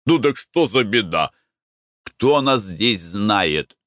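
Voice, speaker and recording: A man's voice: fairly low pitch, expressive, takes it slowly, fairly bright tone, no room sound, studio quality. A man voicing a bluff, easygoing middle-aged Russian merchant with a blunt, hearty manner.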